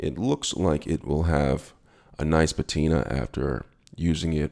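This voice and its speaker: A man speaks in a very deep, low pitch with vocal fry. The recording is very clean, with a silent background. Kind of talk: product unboxing review. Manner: ASMR style.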